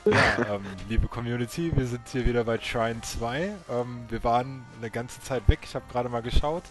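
A young man with a German accent hosting a casual multiplayer let's play, chatty and quick to laugh. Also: medium pitch, steady tone, a bit bright. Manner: chatty, laughing, hurried asides. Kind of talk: casual gaming chat. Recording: game music behind voice.

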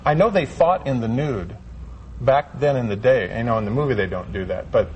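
A man with a mid-pitched presenter's voice hosts a live interview. He talks conversationally, with faint noise in the background. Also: brisk, dull audio. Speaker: television interviewer, host.

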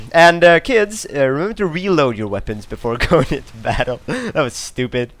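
A young man from Sweden giving live gameplay commentary, excitable and swearing often, with sudden outbursts. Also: fairly high pitch, moderate pace.

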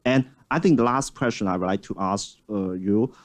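Halting man moderating a panel. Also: lowish voice. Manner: halting, with many fillers and restarts. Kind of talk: conference panel discussion. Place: stage of a large auditorium.

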